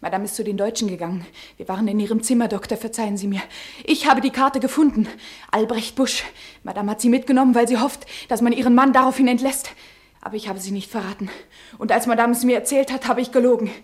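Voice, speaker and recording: A timid young French housemaid in a radio play, played by a woman. Her voice is a little high and quite breathy. She comes across as anxious, loyal and honest. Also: fast, close to an everyday voice. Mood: urgent, frightened. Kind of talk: German radio play acting.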